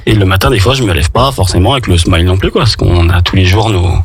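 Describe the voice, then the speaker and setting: Husky self-mocking male radio guest. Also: low-pitched, fast, dry recording. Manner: relaxed, self-mocking, lots of fillers. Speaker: guest, photographer. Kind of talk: casual chat. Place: radio studio.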